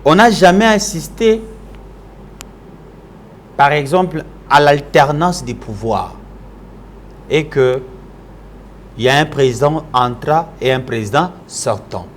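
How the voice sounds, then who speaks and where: A man's voice: a little high, expressive, slow, pauses often, a little hiss or hum. A man from Kinshasa with a Congolese French accent, delivering a combative political tirade on a TV show and switching into Lingala. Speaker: political commentator.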